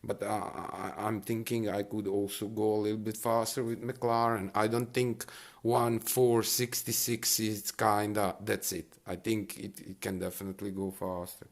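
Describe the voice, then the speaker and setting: Low-voiced gamer rambling. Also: male voice, level tone, normal speed. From Bosnia and Herzegovina. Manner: rambling, hesitant, many fillers and restarts. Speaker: mobile racing game streamer. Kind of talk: casual gameplay commentary.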